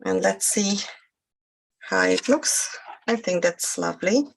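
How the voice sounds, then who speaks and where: A woman from Hungary, speaking English with a Hungarian accent, calmly demonstrating a craft technique with frequent hesitations. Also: mid-range voice, vocal fry, rough recording. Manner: hesitant, many fillers, explains steps slowly. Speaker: guest crafter.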